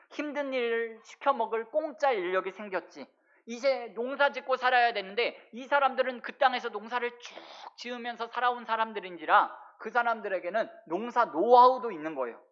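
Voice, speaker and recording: A woman's voice: on the high side, a bit bright. Woman pastor giving a sermon, voice going up and down a lot, keeps asking the church questions, kinda dull lo-fi sound. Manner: addresses the congregation often with rhetorical questions.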